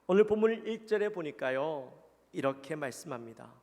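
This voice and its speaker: Gravelly Gyeongsang-accented pastor preaching. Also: male voice, a little high, expressive, normal speed, darkish tone. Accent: Gyeongsang Korean. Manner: earnest, conversational preaching with questions to the congregation. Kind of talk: sermon. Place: church sanctuary. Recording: long church-hall reverb.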